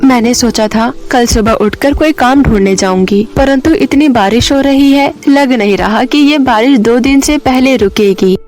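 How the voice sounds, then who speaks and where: Cartoon mother, acted by a woman: high voice, worried, tired, reproachful. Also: normal speed, hardly any pauses, a little mellow, soft background music, lightly acted. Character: poor, worried mother of two girls.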